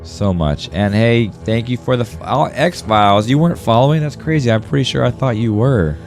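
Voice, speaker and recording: A man's voice: medium pitch, normal speed, darkish tone. A man chatting casually on an art livestream, friendly and slangy with viewers, his voice affected by a sore throat and congestion. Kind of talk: casual livestream chat while drawing. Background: music.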